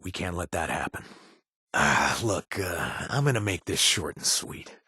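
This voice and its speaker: A wisecracking ex-gang ally. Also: male voice, low voice, lively intonation, a little slow, sharp tone, breathy edge, no echo, clean studio sound, exaggerated voice. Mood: urgent. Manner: jokey, punning, chatty with fillers. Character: male ex-gang member ally, wisecracking, punny. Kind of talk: video game voice lines.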